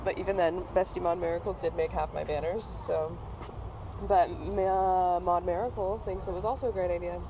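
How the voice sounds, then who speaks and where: A woman's voice: fairly low pitch, steady tone, moderate pace. A young American woman chatting casually as a podcast host, recorded outdoors. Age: young adult. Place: outdoors in public at a busy drive coffee stand. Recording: noisy outdoor urban drive-through ambience. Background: outdoor ambience and vehicle noise.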